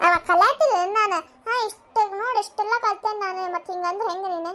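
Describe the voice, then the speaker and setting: In a squeaky, cartoonish character voice, a woman speaks at an extremely high pitch with ordinary pitch variation and a moderate pace. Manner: halting, searching for words.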